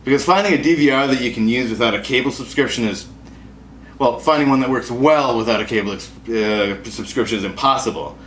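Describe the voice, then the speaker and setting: An American man from Wisconsin hosts a comedy show, delivering a casual, wry, self-deprecating and sarcastic monologue. His voice is medium-pitched, brisk and fairly bright, and the room is echoey with clear background noise.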